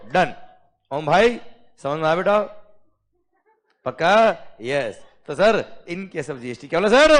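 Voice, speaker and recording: Middle-aged male lecturer, upbeat, keeps checking the class follows, slightly high-pitched. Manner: lively, constantly checking with students. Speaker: tax lecturer. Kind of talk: classroom lecture in Hindi-English mix.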